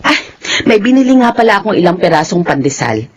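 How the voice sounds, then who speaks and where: A gentle struggling mother. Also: on the low side, sing-song, fairly quick, husky, lo-fi sound. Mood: tender. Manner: gentle, tender. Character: caring, poor mother.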